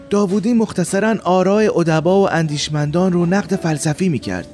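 A man voicing an old retired philosophy teacher who recalls his school days earnestly in a quiet tone, in a higher, changed timbre. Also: lightly acted.

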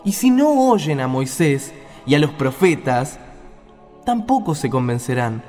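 A man playing a solemn, stern old patriarch with a measured delivery in a biblical radio play. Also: fairly high pitch, big pitch swings, darkish tone, long reverb tail, faint music behind, voice pushed down.

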